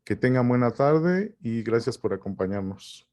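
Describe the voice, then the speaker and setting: Over a video call, a Mexican Spanish-accented professor probes a student with measured academic questions before closing out the seminar. His medium-pitched voice has a darkish tone and swings widely in pitch.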